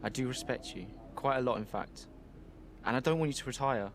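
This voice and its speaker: An actor playing an anxious young racing driver who speaks softly and hesitantly in a video game cutscene. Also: male voice, mid-range voice, brisk, slight background noise, lightly acted. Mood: apologetic. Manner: hesitant, soft-spoken.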